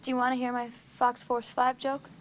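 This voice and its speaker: A woman playing a deadpan young woman. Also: a little high, brisk, slight background noise, lightly acted. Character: cool young woman telling a corny joke.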